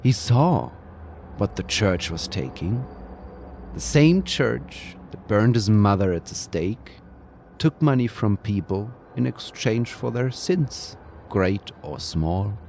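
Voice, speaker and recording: Slow gravelly male horror narrator. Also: on the low side, expressive, a little hiss or hum. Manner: slow, brooding, with hushed whispered passages. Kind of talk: dramatic scripted horror narration.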